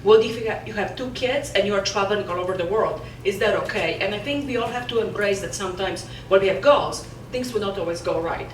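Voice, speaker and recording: A woman's voice: mid-range voice, fast, hardly any pauses, a little hiss or hum. A woman from Poland with a Polish accent, giving an earnest motivational conference talk and often restarting words. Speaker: conference keynote speaker. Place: conference hall. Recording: echoey hall from a distance.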